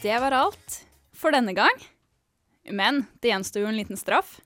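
A woman on a student radio quiz, chatting casually in quick, short remarks. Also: fairly high pitch, animated, fairly bright tone, faint music behind. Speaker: radio co-host and quiz contestant. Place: radio studio.

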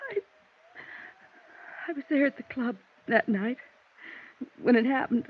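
Frightened young mother; high, husky, old-radio tone. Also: measured pace. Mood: shaken. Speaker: witness. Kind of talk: 1950s radio drama acting. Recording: dull old radio broadcast.

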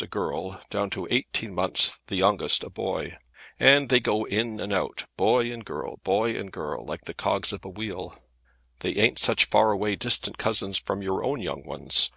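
A hearty, talkative middle-aged solicitor, as a man puts him on, bluff and friendly. The voice sits low and gravelly, with a forceful edge and a husky grain. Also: dry recording, exaggerated voice.

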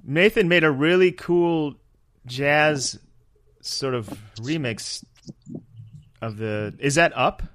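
A man's voice: a little high, slow, pauses often, a bit bright. A man co-hosting a podcast in casual, joking banter over a video call. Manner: joking, informal. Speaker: podcast co-host.

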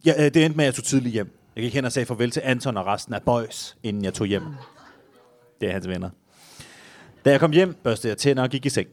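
A man's voice: mid-range voice, expressive. A man hosting a podcast, reading a story aloud with comic asides and frequent laughter. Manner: reads while laughing and joking. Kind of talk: comic read-aloud with banter.

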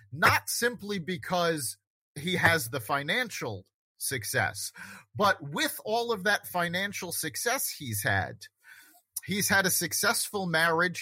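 A man's voice: a little high, sharp tone, breathy edge, dry recording. A man hosting a conversation, talking earnestly and reflectively about self-improvement, with frequent restarts. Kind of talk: casual conversation.

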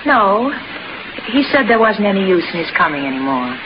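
An actress playing a bedridden, long-suffering wife in a 1940s radio drama, with a gentle, plaintive, wistful delivery. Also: female voice, mid-range voice, sing-song, a little fast, lightly acted. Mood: resigned. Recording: noisy, dull 1940s radio recording.

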